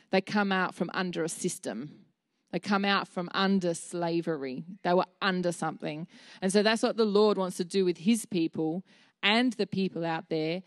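A woman's voice: on the low side, no echo, studio quality. Earnest woman preaching on stage. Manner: earnest, candid, with fillers and restarts. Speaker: church speaker. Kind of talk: conversational sermon. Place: dim church stage with a small seated audience. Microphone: handheld mic.

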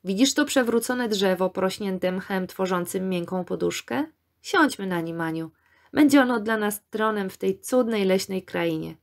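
A woman's voice: medium pitch, moderate pace, creaky, lightly acted. A woman reading the part of an eager, cheerful young man student in an audiobook, in close to her own voice. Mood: gentle.

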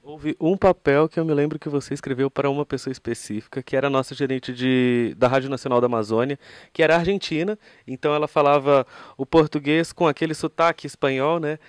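A man's voice: mid-range voice, fairly even intonation, quick pace, dry recording, clean studio sound. A Brazilian man hosting a conversational radio interview in an informal, joking manner.

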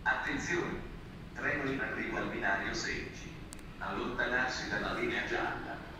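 A man's formal, evenly paced voice making a train station announcement over a loudspeaker. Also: fairly low pitch, normal speed. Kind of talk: automated public announcement. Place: railway station platform. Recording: echoey station PA from far off, noisy. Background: station ambience.

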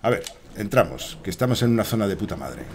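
Excitable, swearing Spanish man streamer. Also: fairly low pitch, fast talker, background noise. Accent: Spain Spanish. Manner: profane, excitable outbursts, talks to enemies and chat. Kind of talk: live gameplay commentary.

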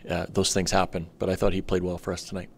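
A middle-aged man speaks into a table microphone in a press room, in a deep, gravelly voice. He answers in a measured, matter-of-fact way, with an even, flat delivery that rarely rises. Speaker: hockey head coach. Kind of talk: post-game press conference answers. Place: press room in front of a sponsor backdrop. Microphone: table microphone on a stand.

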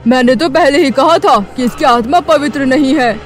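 A man voicing excitable, bickering villagers in a horror cartoon, with dramatic, emphatic delivery. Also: very high-pitched, moderate pace, faint music behind. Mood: panicked.

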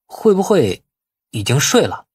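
A man's voice: a little high, very animated, a little slow, a little mellow, slightly rough, dry recording, studio quality, voice pushed up, full character voice. A man voicing a polite, curious nephew in an audiobook drama, deferential and questioning in manner. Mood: puzzled. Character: polite, curious younger nephew, a company chairman.

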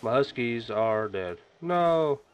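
A man hosting a gaming channel, chatting casually and reacting excitedly as he plays, sniffling from a stuffy nose. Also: fairly low pitch, moderate pace. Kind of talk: casual game commentary.

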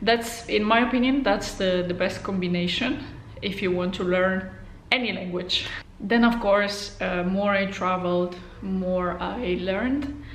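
A woman's voice: medium pitch, a little slow, a little hiss or hum. Chatty Polish woman in an echoey room. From Poland. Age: 30s. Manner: friendly, chatty, many fillers. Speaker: channel host. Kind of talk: casual to-camera vlog talk. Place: room at home. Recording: roomy echo.

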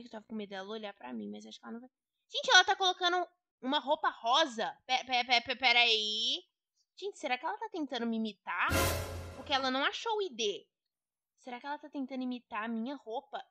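A woman's voice: sits high, bright, forceful tone, no room sound. A young woman with a Brazilian Portuguese accent giving gossipy, indignant role-play commentary on a game to her viewers. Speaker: Roblox gamer.

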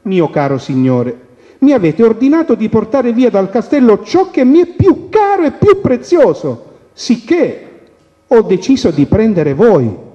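A clever, gentle queen, as a man puts her on. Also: high voice, sing-song, a little slow, voice pushed up. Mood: calm. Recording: dull radio recording with long reverb.

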